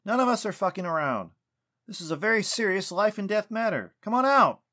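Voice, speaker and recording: A man's voice: on the high side, sing-song, normal speed, fairly bright tone, pitched above the performer's own voice. A man voicing a passionate, frustrated male character in an audiobook, insistent and emphatic. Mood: frustrated yelling. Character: passionate, frustrated man pleading with a tree spirit.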